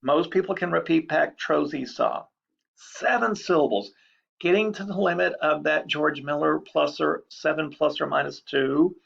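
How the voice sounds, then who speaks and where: Male lecturer, slightly high gravelly voice, casual explainer, dull lo-fi recording. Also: moderate pace, a bit bright. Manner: chatty, explanatory, repeats key points.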